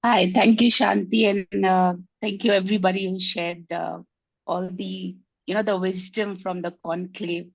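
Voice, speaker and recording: A hoarse woman joining an online meeting to share grateful, reflective thoughts, with many fillers. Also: medium pitch, little pitch movement, a little slow, dry recording. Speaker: meeting participant. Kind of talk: casual online meeting chat. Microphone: video call. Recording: slightly dull call audio.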